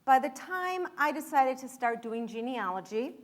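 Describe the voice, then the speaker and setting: A woman's voice: high-pitched, very animated, normal speed. A woman from Michigan, an author, telling a family story in a conversational public talk with a few restarts. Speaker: author speaking at an event.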